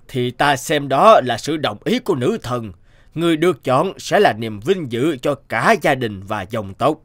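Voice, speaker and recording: An actor playing a pompous, authoritative tribal chief who scolds sternly in a fairy-tale cartoon. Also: male voice, a little high, fairly bright tone, dry recording. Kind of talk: animated fairy-tale acting. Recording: music behind the voice.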